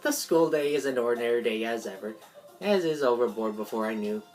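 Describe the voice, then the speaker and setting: A woman's voice: a bass voice, expressive, fairly quick, a little mellow, soft background music. A woman doing an amateur read-aloud narration of a visual novel with asides, stumbling over lines and correcting herself. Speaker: video creator voicing a visual novel.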